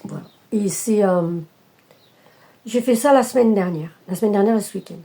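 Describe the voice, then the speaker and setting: A woman from France chats casually about her embroidery projects. Her voice is mellow and warm, at an ordinary pitch for a woman. She hesitates often and corrects herself mid-sentence. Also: moderate pace. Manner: hesitant, many fillers and self-corrections. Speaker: cross-stitch vlogger. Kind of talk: casual show-and-tell chat.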